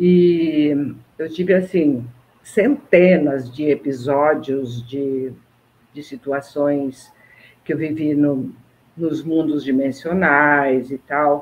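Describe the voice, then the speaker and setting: This woman's pitch is very deep and low, and her intonation stays fairly even. She speaks at a very slow pace with long, frequent pauses. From rural Brazil. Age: 60s. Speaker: interviewee sharing spiritual experiences. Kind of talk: personal testimony interview.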